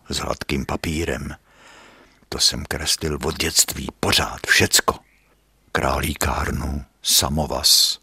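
Husky older man reminiscing softly. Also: deep voice, no room sound. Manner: unhurried, musing, often dropping to a soft whisper. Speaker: painter telling memories. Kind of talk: reminiscing storytelling. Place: painter's studio.

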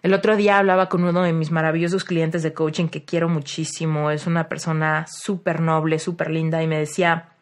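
A woman's voice: sits low, level tone, fairly quick, few pauses. A woman with a Mexican accent hosting a podcast as a life coach, telling personal stories in a casual, reflective way and repeating phrases for emphasis.

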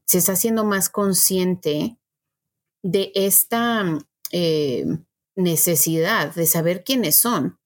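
A woman co-hosting a conversational podcast on faith, talking reflectively and checking that she is understood with short tag questions. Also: fairly low pitch. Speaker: podcast co-host.

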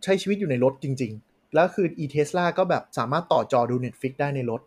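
A man co-hosting a casual tech podcast, talking in an animated, joking way with crude slang. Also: fairly high pitch, moderate pace, husky. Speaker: podcast co-host.

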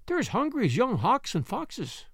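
A man's voice: extremely high pitch, huge pitch swings, normal speed, fairly bright tone, no room sound, clean studio sound, voice pushed up, full character voice. A man voicing a talkative, good-tempered young housemaid with homely, outspoken speech in an audiobook. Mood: chatty. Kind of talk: audiobook character voice.

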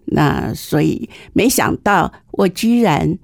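A woman's voice: fairly low pitch, lively intonation, slow, gravelly, no room sound, clean studio sound. A woman in her sixties from southern Taiwan, with a southern Taiwanese Mandarin accent, tells personal stories conversationally as an interview guest, in a candid, humorous, self-deprecating way. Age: 60s.

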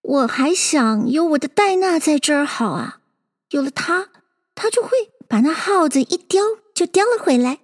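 A woman's voice: sits high, animated, normal speed, long reverb tail, voice pushed up. A woman voicing a polite, eager young girl in a storybook reading, apologetic and chatty.

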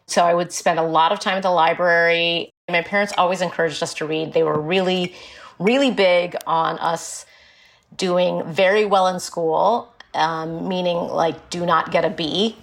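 A woman's voice: fairly low pitch, steady tone, moderate pace, vocal fry. A woman in her forties, born in India and raised in Illinois, talking frankly and chattily as an author guest. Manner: chatty, frank and explanatory, with light laughs. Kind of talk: casual interview conversation.

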